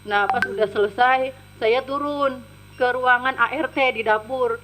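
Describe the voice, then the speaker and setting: A woman's voice: a little high, fairly even intonation, unhurried, background noise. A woman from Indonesia, a former household worker, giving a first-person testimony and plainly retelling what was said to her. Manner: plain retelling, frequently quoting others with "she said".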